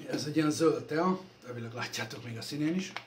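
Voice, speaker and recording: A man's voice: on the high side, noisy background. A man talking casually while working on computers in his workshop, rambling and self-deprecating, recorded on a phone. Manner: rambling, self-deprecating, trailing off softly at phrase ends. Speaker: computer repair vlogger. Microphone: phone camera. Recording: echoey workshop room, faint ambience.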